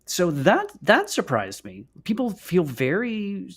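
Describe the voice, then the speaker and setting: Animated man, halting casual podcast chat. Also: high-pitched, breathy edge. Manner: halting, self-correcting, hedging. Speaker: podcast co-host.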